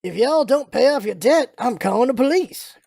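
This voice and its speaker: A woman playing a gruff older male restaurant owner with a Southern US accent and a blunt, folksy manner. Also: a little high, animated, normal speed, warm tone, no room sound, clean studio sound. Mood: threatening.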